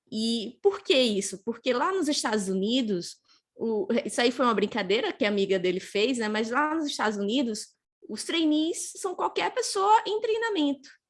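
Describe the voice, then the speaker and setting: A woman's high voice swings very widely in pitch as she talks at a moderate pace. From Pernambuco, northeastern Brazil. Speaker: career blogger and recruiter, speaker. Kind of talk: live webinar talk. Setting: live stream. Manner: animated.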